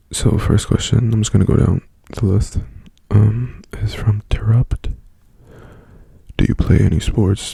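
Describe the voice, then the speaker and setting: The speaker whispers at a fairly slow pace, leaving long, frequent pauses. Noticeable background noise is present. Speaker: ASMR youtuber. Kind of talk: ASMR Q&A video. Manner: whispering; soft-spoken.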